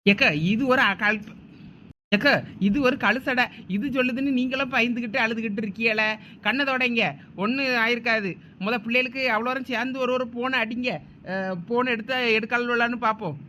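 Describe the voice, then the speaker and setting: A woman playing a bright, bossy neighbour. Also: on the high side, fairly even intonation, brisk, slight background noise. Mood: scolding. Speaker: skit actor playing a neighbour. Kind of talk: village comedy skit acting.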